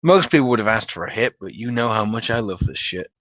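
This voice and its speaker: Man plays eccentric older stoner vet for a story reading, rambling and salty, lively pitch, muffled sound. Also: fast. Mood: fond, reminiscing. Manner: rambling, colloquial, profane. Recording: dull, roomy home recording.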